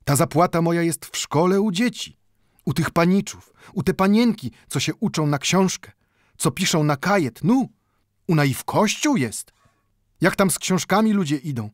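A man's voice: medium pitch, sing-song, unhurried, pauses often, no echo, studio quality, pitched above the performer's own voice. A man voicing an old Jewish bookbinder in an audiobook, speaking broken Polish full of "nu" and growing heated as he pleads. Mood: pleading. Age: older.

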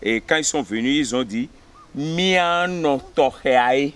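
A man in his fifties from Benin, a history teacher, telling village history in an outdoor interview, pausing on fillers and often checking he is understood. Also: mid-range voice, expressive, clean tone. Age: 50s. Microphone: camera at close range.

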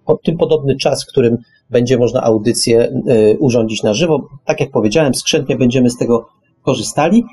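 A man co-hosting a radio show in casual talk, explaining things haltingly and often repeating his phrases. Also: mid-range voice, warm tone, breathy edge, faint music behind.

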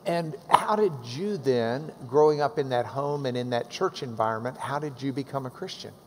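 A middle-aged man hosting a seated interview on a church stage, jovial and quick with jokes. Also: medium pitch. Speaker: host, interviewer. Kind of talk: conversational interview. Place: church stage, large hall. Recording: reverberant hall, faint noise.

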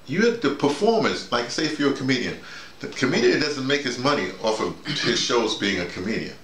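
With a lowish, gravelly voice, an American theater director and workshop leader in his later years explains things informally and at length, drifting off on tangents. He brings his stories to life by acting out quoted remarks, including his own. He's recorded in a small bedroom, and the sound is echoey with faint noise.

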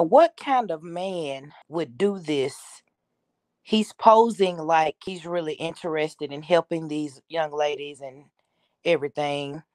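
The woman you'd hear hosting a casual commentary channel, speaking fairly low in a dry room, sharing her opinions directly with subscribers. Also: darkish tone, dry recording. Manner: conversational, opinionated, addressing listeners directly. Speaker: YouTube commentator, host.

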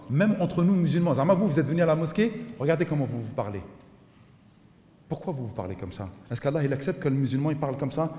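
A middle-aged man, an imam, giving an animated mosque lecture and mixing in street slang. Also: mid-range voice. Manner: animated preaching, mixes in street slang, voices his son and inner voices. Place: mosque hall. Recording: echoey hall.

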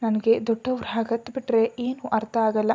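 Storybook grandma, old, loving and teary, read by a woman narrator; soft, tender delivery. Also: on the high side, flat delivery, moderate pace, husky. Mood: tearful tender. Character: loving elderly grandmother, tearful and doting.

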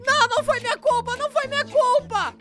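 A woman voicing a cheeky, vain cartoon boy who pranks his friend, squeaky and excitable. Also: fast, faint music behind. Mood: excited.

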